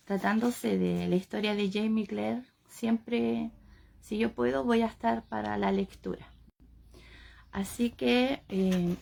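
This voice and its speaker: A woman from Chile, reading a novel aloud in an unhurried, plain first-person way. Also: medium pitch, creaky. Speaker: volunteer audiobook reader. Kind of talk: audiobook reading.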